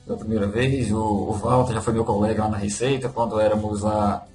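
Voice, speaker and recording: A man with a Ceará accent, telling his own story as a podcast guest, easygoing and modest. His voice rings in an echoey room, with soft music faint underneath. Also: lowish voice, brisk. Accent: Northeastern Brazilian (Ceará). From Fortaleza, Brazil. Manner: relaxed, modest, with frequent "né?" tags. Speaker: interview guest. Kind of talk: casual conversational storytelling.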